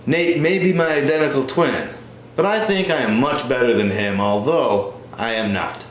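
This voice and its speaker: A man's voice: medium pitch, moderate pace, lightly acted. A man playing both parts in a one-man stage comedy, here as a smug, pedantic, boastful older twin brother. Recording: roomy echo with faint noise.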